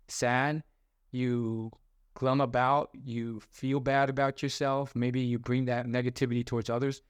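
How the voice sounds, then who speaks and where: A man's voice: mid-range voice, no room sound, clean studio sound. A young man hosting a self-help video, talking through his advice in a rambling, casual way with many fillers and restarts. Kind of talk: casual motivational monologue.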